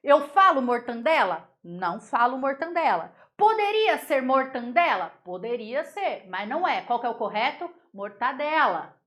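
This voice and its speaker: A woman teaching a Portuguese grammar lesson, playful and laughing at common mispronunciations, repeating words slowly to drill them. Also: sits high, big pitch swings.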